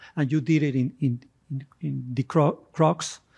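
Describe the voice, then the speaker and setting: The voice is somewhat breathy, with ordinary pitch variation and a fairly slow pace. The background is quiet. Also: man. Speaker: professor. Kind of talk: panel interview. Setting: stage with audience. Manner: halting.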